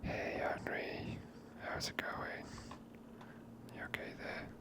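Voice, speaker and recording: Whispered voice, ASMR game commentary, hushed, unhurried, musing aloud, close-miked. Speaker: gaming video host.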